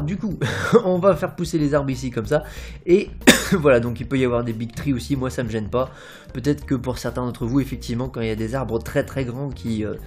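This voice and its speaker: A young man narrates a Minecraft building tutorial in a casual, rambling, playful way, full of fillers and little "hop" sounds. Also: medium pitch. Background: faint background music.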